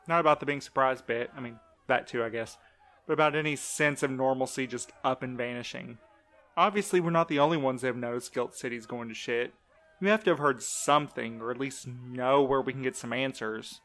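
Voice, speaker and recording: A man's voice: mid-range voice, brisk, a bit bright, close to an everyday voice. A man playing a wary, protective courier in an audio drama, speaking casually with a sardonic edge. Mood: wry, uneasy.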